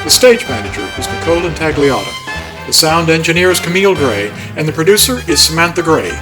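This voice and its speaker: A man's voice: a little high, sing-song, fairly quick. A man announcing a radio drama and its cast in old-time broadcast style. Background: music.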